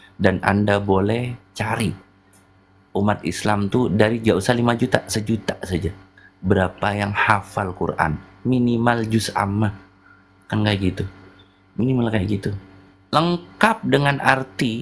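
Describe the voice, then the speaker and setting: A man speaks in a fairly low voice with ordinary pitch variation. Long pauses come up often. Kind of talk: interfaith religious debate.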